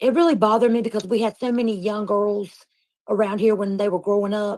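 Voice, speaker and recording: A woman's fairly high voice in a Southern US accent at a very fast pace. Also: fairly even intonation. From US South. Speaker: panel participant. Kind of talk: casual chat.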